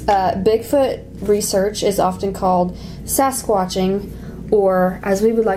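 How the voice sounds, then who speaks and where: Over noticeable background noise and audible room echo, a woman talks at a very slow pace. Her pitch sits at a medium level. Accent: Appalachian. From Appalachia. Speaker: podcast host. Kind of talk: casual chat.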